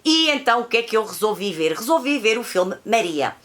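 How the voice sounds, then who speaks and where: A woman's voice: fairly high pitch, sing-song, brisk, a bit bright. A woman with a European Portuguese accent chatting casually in a vlog, rambling and repeating herself with many fillers. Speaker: vlogger reviewing films and series. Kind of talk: casual monthly recap vlog.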